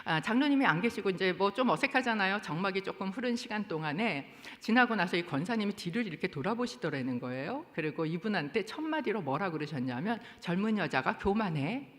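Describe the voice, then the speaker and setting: Speaking at a quick clip with hardly a pause, this mid-range female voice belongs to a pastor delivering a sermon. Her animated storytelling rises into forceful exhortation, echoing with long reverb through the church sanctuary.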